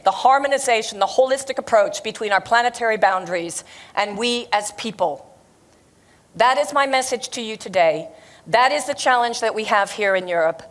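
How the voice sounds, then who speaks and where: A woman's voice: a little high, fairly bright tone. A woman from Belgium with an American accent, giving a conference speech full of impassioned rhetorical questions. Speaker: panel speaker.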